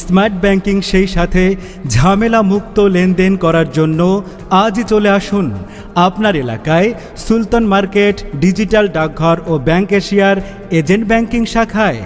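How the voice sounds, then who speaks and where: A man reading a street loudspeaker advertisement in a loud, declamatory announcing manner. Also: high-pitched, moderate pace. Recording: long reverb with music bed. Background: music.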